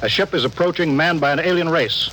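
A stern starship captain. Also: male voice, on the high side, fairly quick, pushed and bright, slight background noise, rough recording. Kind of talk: 1950s radio drama acting.

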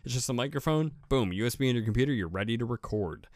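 A man with a deep voice giving a casual, rambling how-to talk as a podcaster, repeating himself with enthusiasm. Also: expressive, fast talker, no room sound, studio quality. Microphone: USB desk microphone with pop filter.

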